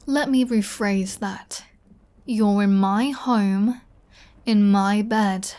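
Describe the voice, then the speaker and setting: Female vampire played by a woman, unhurried delivery, flirty and sardonic, playfully bossy, for intimate roleplay audio drama. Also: medium pitch, steady tone, mellow. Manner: playful, teasing, dry, bossy.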